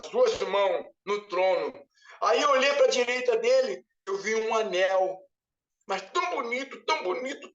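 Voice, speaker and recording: A man's voice: extremely high pitch, a bit bright. A man, a pastor, giving an emotional testimony in church, weeping and pleading as he retells a vision. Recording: echoey room picked up from a distance, muffled.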